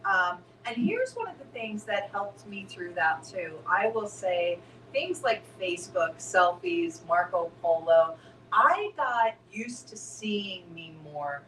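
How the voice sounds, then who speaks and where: A woman's voice: mid-range voice, sing-song, takes it slowly, a bit bright. Woman co-host, reflective and chatty, echoey room, distant mic. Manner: reflective and chatty, often asks "Right?". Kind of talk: casual spiritual chat. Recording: roomy, distant mic with faint noise.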